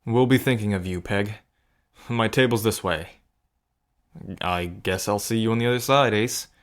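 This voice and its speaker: Earnest male gambler, played by an actor, lowish pitch, awkward and protective, natural audio drama read. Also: normal speed, lightly acted. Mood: confident, friendly.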